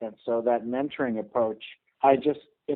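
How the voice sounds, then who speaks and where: The speech moves at a moderate pace with fairly even intonation. It is a normal speaking voice. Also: man. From US Midwest, Minnesota. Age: 60s. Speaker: actor and acting teacher. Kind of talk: interview.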